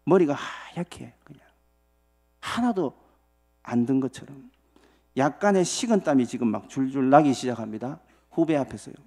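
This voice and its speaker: Gravelly-voiced pastor telling a story. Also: male voice, mid-range voice, moderate pace. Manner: animated storytelling with rhetorical questions to the congregation. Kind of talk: storytelling sermon. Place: church sanctuary.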